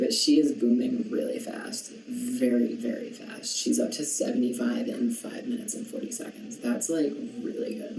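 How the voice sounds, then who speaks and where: Someone soft-spoken talks at a moderate pace. Background noise is noticeable. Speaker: gaming youtuber. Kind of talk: game commentary. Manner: hesitant, many fillers.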